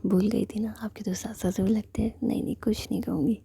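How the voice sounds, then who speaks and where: A moody young woman, whispered by a woman storyteller, complains in a breathy, husky voice. Her tone is dark and soft, and she grumbles steadily. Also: mid-range voice, fairly even intonation, fairly quick, dry recording. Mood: grumbling.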